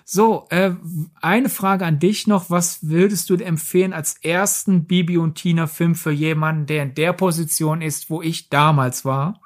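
A man's voice: fairly high pitch, steady tone, unhurried. A man co-hosting a podcast, talking casually about films in long, winding sentences. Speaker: podcast co-host. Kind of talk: casual film discussion.

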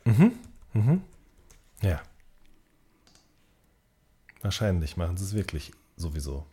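Husky male podcaster chatting animatedly. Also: low voice, sing-song, takes it slowly, mellow. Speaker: podcast co-host. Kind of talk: casual unscripted podcast chat.

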